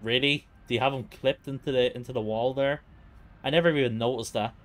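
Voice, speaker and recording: Male streamer, mid-pitched, chatty and repetitive casual game commentary, faint noise and game ambience behind. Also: fairly even intonation, fairly quick. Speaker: live streamer.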